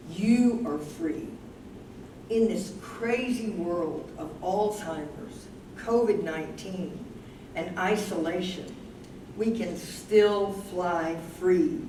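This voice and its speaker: A woman's voice: fairly low pitch, extremely slow, dark tone. A woman in a staged reading, playing a devoted, plaintive elderly wife who has Alzheimer's, with earnest delivery. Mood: earnest, resolute. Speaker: stage reader. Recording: echoey room, far from mic, background noise.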